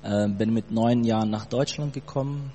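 A man's voice: medium pitch, mellow. Earnest young man preaching in a hall. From Brazil. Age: 20s. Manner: earnest, fervent, halting with many fillers. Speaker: church speaker giving testimony. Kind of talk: sermon testimony. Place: church hall. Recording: long hall reverb, mains hum.

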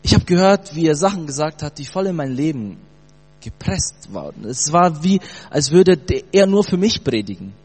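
A man in his late twenties from Brazil, telling his personal faith story in a casual, animated way with youth slang. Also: on the high side, normal speed, slightly rough. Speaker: church testimony speaker. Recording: long hall reverb with mains hum.

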